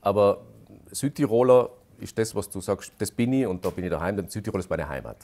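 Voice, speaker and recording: A man's voice: on the low side, brisk, a little mellow. A middle-aged man, hosting a TV interview and asking questions in a friendly, conversational way. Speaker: host. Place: rustic hotel lounge.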